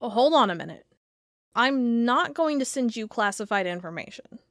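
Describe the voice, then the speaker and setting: An actress playing a determined, plain-spoken FBI agent in an audio drama, matter-of-fact and wry. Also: female voice, on the high side, animated, normal speed, a bit bright, dry recording, studio quality. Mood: earnest, insistent. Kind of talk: audio drama dialogue and recorded-log monologue.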